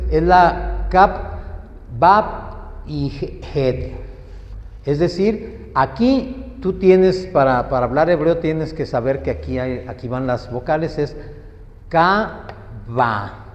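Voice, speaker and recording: A man preaching a sermon, teaching slowly and emphatically and putting questions to his listeners. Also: on the high side, a little mellow. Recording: echoey hall, dull lo-fi sound.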